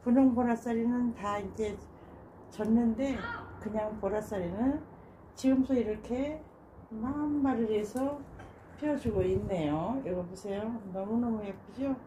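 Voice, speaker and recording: Woman gushing over her balcony flowers, mellow warm voice, soft little sighs, faint background hum. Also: fairly high pitch, measured pace. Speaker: gardening vlogger. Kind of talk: casual narration while showing plants. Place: home balcony garden.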